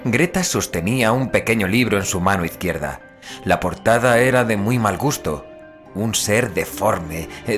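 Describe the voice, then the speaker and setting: A man's voice: low-pitched, a bit bright. A man with a Spain accent playing an uneasy, reluctant investigator with hesitant, wry delivery in an audio drama. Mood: grim, descriptive. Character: uneasy, reluctant, grumbling male investigator with dry sarcasm. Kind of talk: Spanish-language audio drama dialogue and narration.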